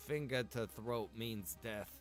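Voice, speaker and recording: A man's voice: mid-range voice, slow, faint music behind. An American man, a video game streamer, chatting casually during gameplay in a rambling, slangy, informal way with some mild swearing. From Pennsylvania, United States.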